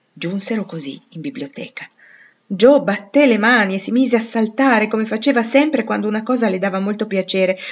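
Woman reading a classic novel aloud, expressive and steady, a bit muffled lo-fi. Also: medium pitch, breathy edge. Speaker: audiobook reader. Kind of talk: storybook narration.

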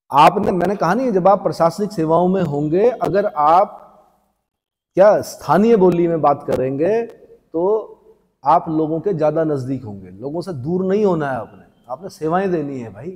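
Male teacher, Uttarakhand Hindi accent, slightly high, mellow voice, exam revision, asks and answers his own questions, long room reverb. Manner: asks the class a question, then answers it himself; repeats key terms slowly for memorizing. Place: classroom or coaching room.

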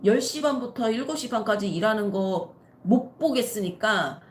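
A woman's voice: medium pitch, normal speed. A woman in her thirties, a nail artist hosting her channel, telling a story casually on a live stream and acting out the people in it. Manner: animated, acts out quoted people in the story. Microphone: live-stream setup. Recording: roomy echo with faint ambience.

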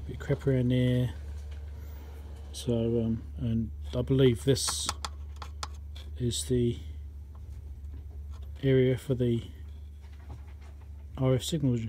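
Brief: man, mid-pitched, repair-bench commentator talking to himself, faint hum behind. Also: level tone, slow pace, pauses often, mellow. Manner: muttering, thinking aloud while working. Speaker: electronics repair presenter. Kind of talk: casual workbench commentary. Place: electronics workbench indoors.

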